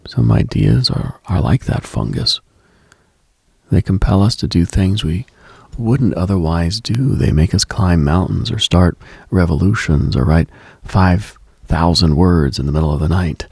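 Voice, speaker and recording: A man hosting a late-night mystical radio monologue in a hushed, musing, ASMR-like way, with frequent pauses and a husky, breathy, gravelly voice. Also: low voice, dry recording, clean studio sound. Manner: hushed, musing, pausing often.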